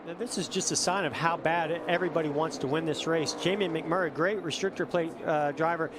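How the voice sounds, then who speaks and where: Male motorsport commentator, analyst type, explanatory, higher-pitched, clear engine noise behind. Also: fairly even intonation, fairly quick. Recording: noisy race broadcast, engine roar. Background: race cars and outdoor track noise.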